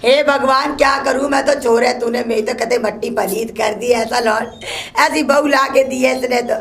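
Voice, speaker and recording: A woman's voice: fairly even intonation, moderate pace, gravelly, fairly bright tone. A woman playing a scolding old mother-in-law who curses and complains nonstop. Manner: shrill, cursing, complaining nonstop. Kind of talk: solo comedy sketch.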